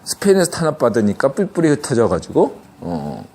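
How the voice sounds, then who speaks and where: Lively, rambling male podcast host. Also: medium pitch, fairly quick, husky. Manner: conversational, many restarts and rhetorical checks like "예?". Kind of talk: casual explanatory monologue.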